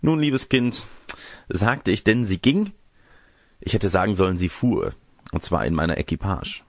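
A man's voice: low voice, lively intonation, unhurried, no room sound, clean studio sound, voice pushed up, heavily acted. A man voicing a suave, coaxing young cavalier, a sorcerer in disguise, in a storybook reading. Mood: blustering. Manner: smooth-talking, coaxing, gallant.

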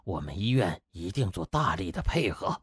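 Man as male hospital administrator, audiobook, impatient, urgent, agitated, husky, big pitch swings. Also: sing-song, normal speed, dry recording, studio quality, exaggerated voice. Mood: eager. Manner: urgent, pressing.

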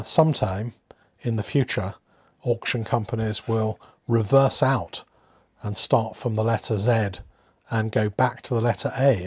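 A man hosting a hobby video in a casual, unscripted way, musing aloud with hesitant pauses. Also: on the low side, slightly rough, no room sound. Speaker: host of a coin collecting channel.

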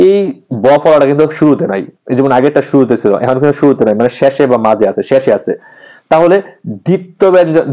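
A man's voice: a little high, mellow, muffled recording. A male teacher giving an exam-prep grammar lesson, repeating example words aloud and asking and answering his own questions, with English words casually mixed in.

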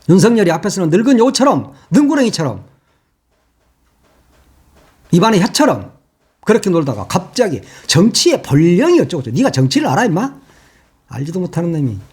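A man's voice: on the high side, a little mellow, husky. A man giving heated political commentary, insulting his target and firing off rhetorical questions.

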